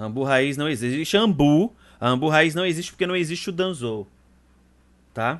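The background is quiet as a man speaks at a fairly high pitch. His pitch swings very widely. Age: 30s. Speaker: podcast host. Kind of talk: casual livestream chat. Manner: animated.

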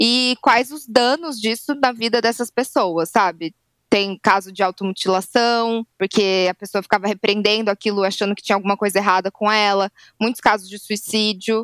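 This woman has a plain, everyday voice, fairly high in pitch, with ordinary pitch variation at a moderate pace. The recording is very clean over a silent background, and the sound is dry and close with no echo. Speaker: podcast co-host. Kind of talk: casual chat.

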